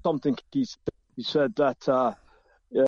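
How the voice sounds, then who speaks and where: Male caller from the UK, halting delivery, dropping out on a breaking-up call, dry and dull line. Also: mid-range voice, no room sound. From United Kingdom. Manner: hesitant, full of pauses and fillers. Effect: choppy phone line breaking up. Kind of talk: call-in to a radio talk show. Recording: muffled dry phone line.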